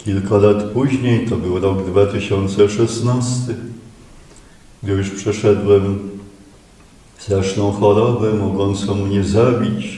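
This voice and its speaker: Speaking very slowly with long, frequent pauses, a man with a fairly low voice keeps his intonation fairly even over noticeable background noise and audible room echo. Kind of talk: sermon. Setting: chapel. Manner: soft-spoken.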